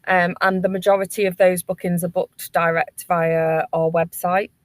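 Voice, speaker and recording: A woman with a fairly low voice and very flat intonation explains things on a professional panel. Her delivery is measured and informal, in a close, practical style. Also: dry recording. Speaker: webinar panellist, workspace company representative.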